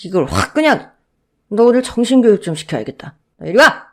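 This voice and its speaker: A woman voicing a drunken, violent middle-aged father who shouts and bullies in a Korean audio story. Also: medium pitch, moderate pace, slight background noise, lightly acted. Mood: angry. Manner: loud, bullying, shouting.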